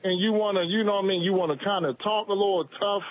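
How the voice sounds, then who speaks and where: A man's voice: high voice, fairly even intonation, fast talker, no room sound. A forty-year-old man calling in to a sports show, blunt and casual, saying bro a lot. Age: 40s. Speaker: caller. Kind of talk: phone-in opinion. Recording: dull phone-line audio.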